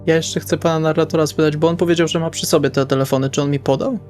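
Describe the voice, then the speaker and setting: A man's voice: on the high side, fairly even intonation, fast, darkish tone. A man playing in a tabletop role-play session, improvising casually in and out of character, informal and sweary. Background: faint music.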